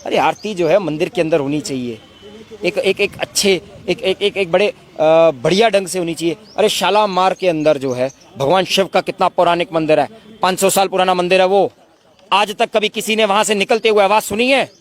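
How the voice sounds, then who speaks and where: A man's voice: high-pitched, normal speed. A man making an impassioned, emphatic statement to reporters at a protest, full of indignant rhetorical questions. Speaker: protest spokesman.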